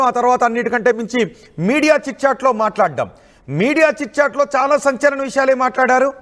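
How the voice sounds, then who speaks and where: A woman anchoring live news, presenting developments and putting questions to a reporter. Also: a little high.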